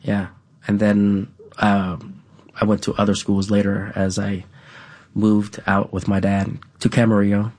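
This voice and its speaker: A man who grew up speaking Vietnamese at home, talking as an interview guest in a halting way, with many fillers and an added "right?". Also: on the low side, monotone, darkish tone. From United States. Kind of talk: casual conversational interview.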